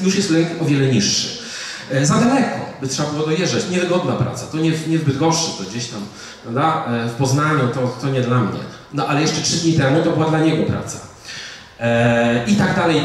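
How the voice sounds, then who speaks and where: Middle-aged man lecturing in an echoey hall. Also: fairly high pitch. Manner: conversational, with fillers and rhetorical "prawda?". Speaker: psychiatrist giving a public lecture. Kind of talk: public lecture. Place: audiovisual hall of a museum. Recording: echoey hall, speaker far from the mic.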